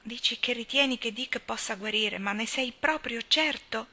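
Lady reading as a fiery young woman arguing her case, bright tense voice, up high. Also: moderate pace. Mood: worried. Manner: impassioned, insistent. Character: young woman pleading, passionate and stubborn. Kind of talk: audiobook character reading.

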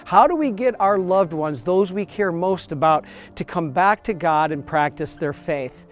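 A man in his forties, a priest, preaching earnestly to the camera outdoors on church steps, emphatic and steady, with soft music underneath. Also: sits high, unhurried. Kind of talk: promotional sermon to camera.

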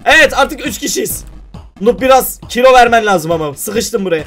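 High, lively young man playing a game. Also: normal speed, faint music behind. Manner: playful, animated, exclaims and laughs often. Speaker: gaming YouTuber. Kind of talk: excited let's-play commentary.

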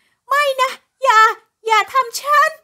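A woman doing a shrill frightened village wife. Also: very animated, a little fast, fairly bright tone. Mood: terrified. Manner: high shrill cries.

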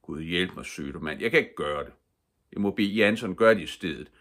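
A man voicing a distressed, gentle grown man who pleads quietly. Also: low voice.

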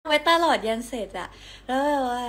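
A young woman hosting a casual livestream from home, telling stories in a chatty, giggly, animated way. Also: high voice, a little fast. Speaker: idol livestream host.

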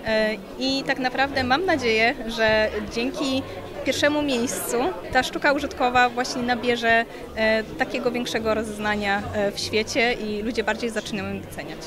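A woman's voice: on the high side, fairly even intonation, moderate pace. A woman in her thirties, a contest winner, giving a hesitant, emotional news interview into a handheld mic with many fillers. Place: banquet hall, press wall. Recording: hall crowd and music behind.

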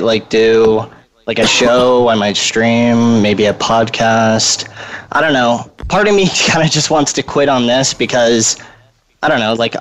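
A man's voice: fairly low pitch, low-quality recording. A man guesting on a podcast, talking loosely and laughing about being banned. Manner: laid-back, laughing, swearing. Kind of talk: casual podcast chat.

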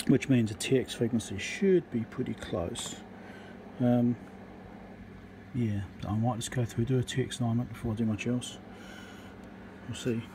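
Low-voiced New man, noisy workshop recording. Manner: matter-of-fact, thinking aloud in short fragments. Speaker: electronics repairer presenting a repair video. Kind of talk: casual unscripted workbench commentary. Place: indoor electronics workbench.

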